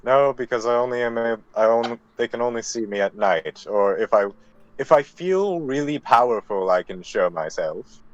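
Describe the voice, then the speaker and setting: A man's voice: mid-range voice, lively intonation, normal speed, no room sound, lo-fi sound, natural voice. Tabletop game ghost played by a man: proud musician, formal and a touch huffy. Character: male ghost musician, proud, indignant but friendly. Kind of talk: improvised tabletop role-play.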